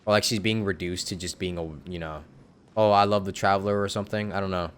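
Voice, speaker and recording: A man talks casually while streaming a game, relaxed and quick to laugh. His voice sits on the low side. He answers his chat in a loose, chatty way. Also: clean tone. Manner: laid-back, laughs often, answers chat. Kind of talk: casual live-stream commentary.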